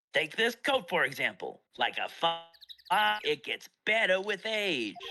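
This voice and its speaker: A man in a put-on character voice speaks with a high pitch, ordinary pitch variation and a fairly slow pace. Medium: actual play. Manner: eager, fawning.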